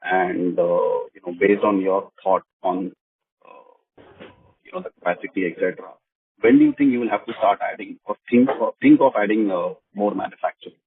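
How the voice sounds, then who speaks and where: A man's voice: deep voice, fairly even intonation, moderate pace, a little hiss or hum. An Indian man speaking as an analyst, politely and somewhat tentatively asking questions on an earnings call. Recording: muffled, narrow phone line.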